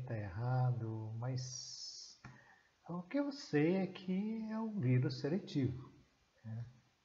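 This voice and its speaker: A man's somewhat breathy voice with a dark, mellow tone and audible room echo. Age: 50s. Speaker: pastor. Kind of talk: sermon. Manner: halting.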